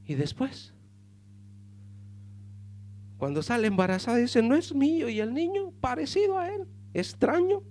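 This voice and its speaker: A male pastor preaching a sermon with passion, calling the congregation brothers and swinging from loud to hushed. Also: extremely high pitch, sing-song, unhurried, pauses often.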